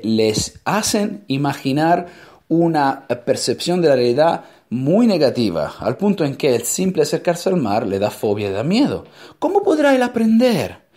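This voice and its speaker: Expressive Italian man speaking Spanish. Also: medium pitch. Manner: expressive, emphatic, rhetorical questions. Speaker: motivational speaker. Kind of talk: motivational talk.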